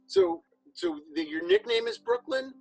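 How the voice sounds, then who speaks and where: A man hosting a casual chat show, talking in a relaxed, rambling way with frequent restarts. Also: very high voice, a little slow, gravelly, faint music behind, poor audio. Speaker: podcast host.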